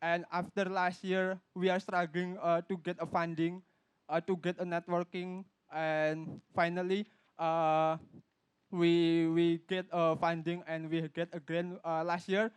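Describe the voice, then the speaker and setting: A man from Indonesia with an Indonesian accent, giving a public talk in halting English with many fillers and restarts. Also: fairly high pitch, little pitch movement, smooth, no echo. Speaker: speaker at a youth talk event. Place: event stage.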